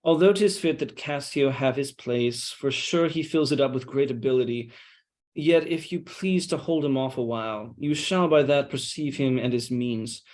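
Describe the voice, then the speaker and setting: A man reading a scheming, deferential soldier in Shakespeare, with measured, insinuating, mock-humble delivery. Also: medium pitch, darkish tone, close to an everyday voice. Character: scheming deferential soldier feeding his lord's suspicion. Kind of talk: Shakespeare read-along.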